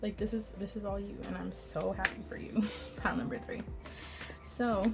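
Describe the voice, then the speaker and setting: A woman's voice: medium pitch, fairly even intonation, moderate pace, gravelly, over loud music. A woman doing a casual pick-a-card tarot reading, chatty and bubbly, laughing often and filling her talk with "like.".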